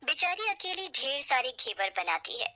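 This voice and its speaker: A woman narrating a scripted folk tale in a clear, expressive storytelling manner. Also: high voice, moderate pace, noisy background.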